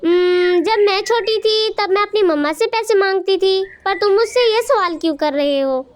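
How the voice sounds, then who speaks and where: A woman's voice: extremely high pitch, normal speed. A woman voicing a practical, fussy mother bird in a cartoon who lectures her son. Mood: scolding. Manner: scolding, lecturing.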